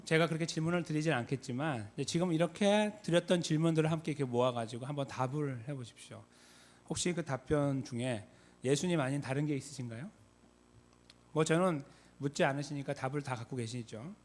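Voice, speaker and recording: A man pastor giving a conversational sermon, with frequent filler pauses. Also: fairly high pitch. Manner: conversational, many fillers, reenacts shouted call-and-response. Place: church sanctuary.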